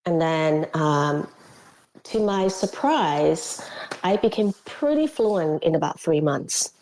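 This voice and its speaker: A woman recounts her experiences in a casual interview. Her voice sits a little low, and she tells things with animation, slipping into little acted quotes and laughter between fillers. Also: expressive, slow pace, darkish tone, a little hiss or hum, low-quality recording. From Hong Kong. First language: Cantonese. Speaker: guest, former missionary.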